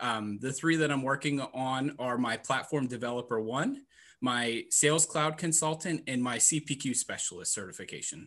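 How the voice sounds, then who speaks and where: A man's medium-pitched voice in an American accent, with ordinary pitch variation and a quiet background. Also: moderate pace. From Western Pennsylvania, US. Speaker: Salesforce professional. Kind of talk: casual interview, conversational. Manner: enthusiastic, animated, halting with repeats.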